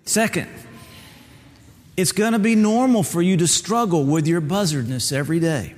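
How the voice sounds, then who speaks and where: A man's voice: high voice, moderate pace, pitched above the performer's own voice, natural voice. Man doing a stern, preachy old turkey mentor. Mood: lecturing. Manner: earnest, lecturing. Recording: long hall reverb.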